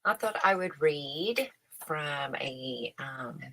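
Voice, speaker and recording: Woman, storybook narrator: low, unhurried, slightly rough voice, expressive phrasing in short stretches. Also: poor audio. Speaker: storyteller reading a children's book aloud.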